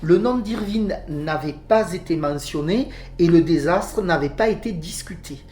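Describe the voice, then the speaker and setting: A woman's voice: on the low side, moderate pace, a little mellow, a little hiss or hum. A woman with a southern French accent, co-hosting a podcast and reading out a report, hesitating with fillers when she talks freely. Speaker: podcast co-host. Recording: roomy home podcast recording.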